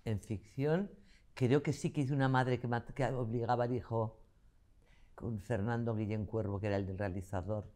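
A woman's voice: a bass voice, steady tone, moderate pace, mellow. An older woman from Zaragoza, a guest actress telling stories at length in an interview. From Zaragoza, Spain. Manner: chatty, talkative storyteller. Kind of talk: interview conversation.

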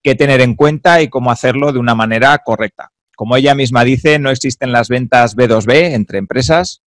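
Guy in his 30s hosting a podcast interview, friendly and clear, dry close sound. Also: mid-range voice, a little fast, dry recording. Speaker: podcast host. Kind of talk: interview host, scripted intro then conversation. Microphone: video call webcam.

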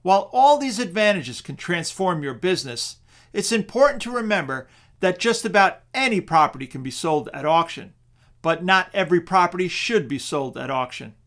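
A middle-aged man narrating a scripted webinar on real estate auctions in a steady, persuasive sales tone. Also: high voice, moderate pace.

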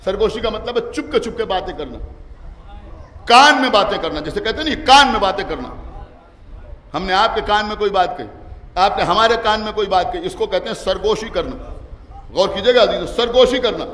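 Male preacher, Lucknow Urdu accent, very high voice, quiet teaching that builds to shouts; recorded in an echoing hall with long reverb. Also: animated. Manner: swings from quiet explaining to shouted climaxes, calls for salawat. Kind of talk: majlis sermon. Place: large imambara hall with gathered crowd. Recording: echoey hall, long reverb, faint crowd.

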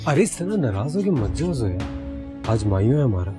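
An actor playing a teasing, affectionate young groom in a TV drama. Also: male voice, medium pitch, very animated, normal speed, music in the background, natural voice. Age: young adult. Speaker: engineer groom. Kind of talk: TV drama acting.

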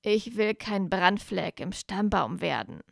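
A woman reading aloud voices a proud young male wizard who sounds flat and defeated, speaking low and slowly. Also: vocal fry, dry recording, clean studio sound, full character voice. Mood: weary.

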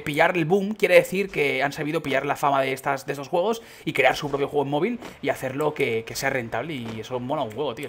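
A young man with a Spain Spanish accent giving casual, excitable commentary on his gameplay, chatting to his viewers and breaking into sudden shouts. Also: mid-range voice, a little hiss or hum. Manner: chatty, addresses viewers as chicos. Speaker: gaming YouTuber.

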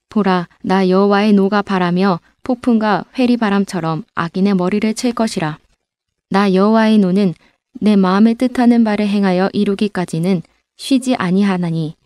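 A woman reads scripture aloud in a steady, measured recitation. Her voice is mellow and smooth, with a polished, resonant finish. The recording is dry and close, like a studio voice-over. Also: medium pitch, no echo. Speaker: scripture reader. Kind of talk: steady scripted Bible reading.

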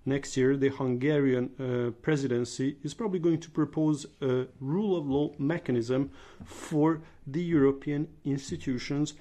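A man interprets political speeches into English in real time. His delivery is measured and broken by frequent filler pauses. The voice sits at a middle pitch with a dark, mellow tone. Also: steady tone. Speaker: conference interpreter. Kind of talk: simultaneous interpretation of debate speeches.

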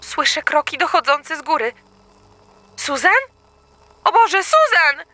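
An actress playing a terrified mother searching her dark house for her young daughter, panicked and pleading. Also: high voice, lively intonation, takes it slowly, exaggerated voice. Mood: frantic. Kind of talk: audio drama acting.

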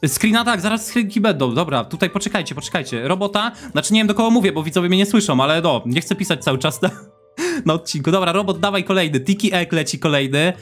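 Excitable young man, high voice. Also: fast, faint music behind. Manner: chatty, excitable, talks straight to viewers. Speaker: gaming YouTuber. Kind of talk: casual gameplay commentary.

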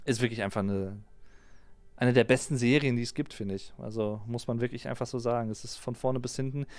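A man's voice: medium pitch, fairly even intonation, a little fast, a little mellow, dry recording, soft background music. A man in his thirties from Germany, chatting casually on a live stream, reading out and answering viewers' comments. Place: small home streaming room. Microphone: close desk mic on a boom arm.

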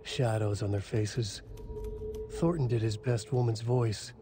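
An actor voicing a brooding game narrator, telling the story in a low, dark noir style. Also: male voice, fairly even intonation, a little slow, music in the background, natural voice.

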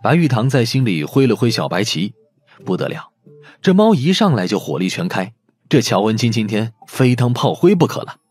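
A man's voice: mid-range voice, sing-song, normal speed, a little mellow, slightly rough, soft background music. A man reading a novel aloud as a dramatic audiobook narrator.

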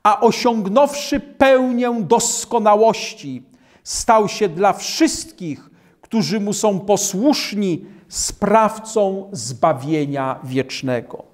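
An older man in his sixties, standing at a lectern in a small hall, preaching a Bible sermon and reading scripture aloud in a measured, emphatic way. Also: sits high. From Poland. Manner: measured, emphatic preaching, slowing on key phrases. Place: small hall with world maps behind a lectern.

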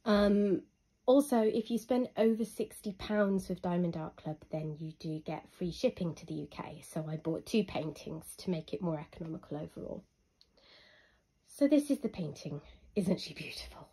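A young woman talks through her review in a relaxed, chatty way, often pausing on an um. Her voice is husky from illness, with a warm, mellow tone that sits a little low. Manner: chatty and unhurried, with frequent ums. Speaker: hobby reviewer. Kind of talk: casual product review voice-over.

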